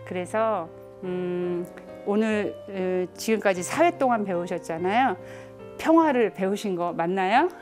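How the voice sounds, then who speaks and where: A middle-aged woman lectures an audience on nonviolent communication. She asks the listeners questions as she goes. When she quotes family members, she acts them out with sudden jumps up in pitch. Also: measured pace, darkish tone, faint music behind.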